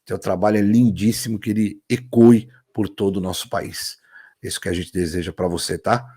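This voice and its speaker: A man's voice: lowish voice, fairly even intonation, moderate pace, husky. A man from Brazil hosting a reaction video, talking to viewers and praising what he has just watched. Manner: warm, repeats praise, addresses viewers directly. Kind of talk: casual reaction commentary.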